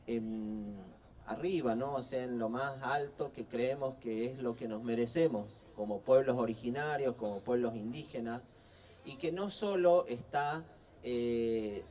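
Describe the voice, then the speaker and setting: A middle-aged man talks at a book fair. He is earnest and unhurried, with plenty of fillers and restarts. His mid-pitched voice sounds distant, as if caught by a microphone well off in an outdoor plaza. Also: darkish tone. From Humahuaca, Jujuy, northwest Argentina. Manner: earnest, slow, halting with many fillers and restarts. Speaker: writer and guest speaker. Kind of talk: public talk at a book fair.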